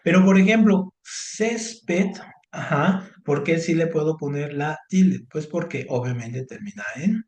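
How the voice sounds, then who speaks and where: Man, tutor, patient step-by-step explaining, slightly high voice, roomy echo. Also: measured pace, a little mellow. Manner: patient, explains step by step, repeats words, frequent "ajá" and "ujú". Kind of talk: online Spanish grammar lesson.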